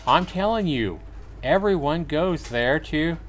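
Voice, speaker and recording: A man voicing a cocky, crude teenage high school boy from a visual novel, teasing his friend, with noise behind him. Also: expressive, slow pace. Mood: mocking. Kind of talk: acted visual novel dialogue.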